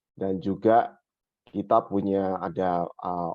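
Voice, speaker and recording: Here a man speaks at a very deep, low pitch. His intonation stays fairly even. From Indonesia. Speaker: data and AI lead in healthcare. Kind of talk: guest talk. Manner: halting, many fillers.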